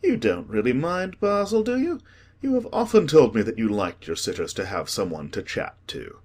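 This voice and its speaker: A man voicing a witty, languid aristocratic gentleman with a teasing, ironic manner. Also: medium pitch, big pitch swings, normal speed.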